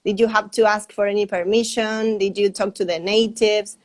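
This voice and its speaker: Woman on a video call, asks stuff in halting english then translates fast, mid pitch. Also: level tone. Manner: hesitant English, quick summaries in Spanish. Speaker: interviewer and interpreter. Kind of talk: live interview, translating into Spanish.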